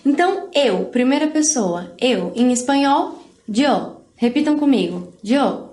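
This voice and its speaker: A woman's voice: high-pitched, lively intonation, a little slow, darkish tone. Patient Brazilian woman teaching, roomy echo. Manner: patient, explanatory, has learners repeat after her. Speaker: Spanish teacher. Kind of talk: recorded video lesson.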